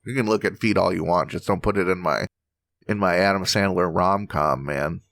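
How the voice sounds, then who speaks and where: A man's voice: deep voice, moderate pace, gravelly. A man co-hosting a podcast, chatting casually with jokes and a lot of swearing. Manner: animated, joking, swears freely. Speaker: podcast co-host. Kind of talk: casual comedic chat.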